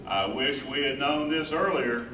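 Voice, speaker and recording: A man's voice: mid-range voice, a little slow, bright, forceful tone. A man playing a devoted, reflective husband who cares for his wife, in a dramatic staged reading. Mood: troubled. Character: devoted husband and carer, loving, troubled, reflective. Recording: echoey distant stage recording, clear noise.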